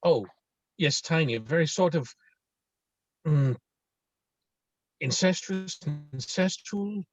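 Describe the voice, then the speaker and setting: A man's voice: a little high, animated, slow pace. A man acting a friendly, earnest young Swede in a script table read, hesitant and searching for words. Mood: friendly, chatty. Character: friendly, mock-menacing young Swedish man, earnest and sensitive. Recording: dull, lo-fi video-call audio.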